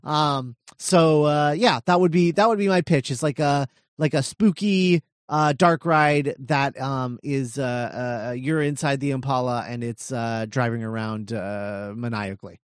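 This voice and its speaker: A man pitching ideas in a casual chat, hesitant, with many pauses and trailing-off endings. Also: fairly even intonation, clean tone, no room sound, clean studio sound. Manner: hesitant, many fillers and restarts, trails off quietly.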